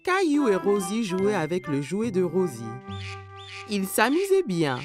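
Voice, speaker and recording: Animated woman narrating a children's story. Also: medium pitch, unhurried, over music. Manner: expressive storyteller.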